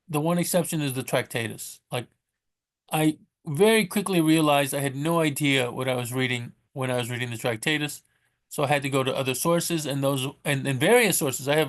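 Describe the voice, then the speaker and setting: Man rambling haltingly, low-key. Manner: halting, self-correcting, rambling delivery; low-key, self-described monotone. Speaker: vlogger recommending books. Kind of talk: casual unscripted vlog talk.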